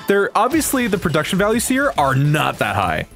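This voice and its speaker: A young man hosting casual reaction commentary in a slangy, animated way. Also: high-pitched, moderate pace, gravelly. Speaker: video host. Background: music.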